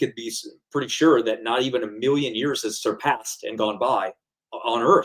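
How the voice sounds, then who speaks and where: Using an ordinary speaking voice, a man talks at a fairly quick pace with a medium pitch. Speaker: creation science author and presenter. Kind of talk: livestream presentation.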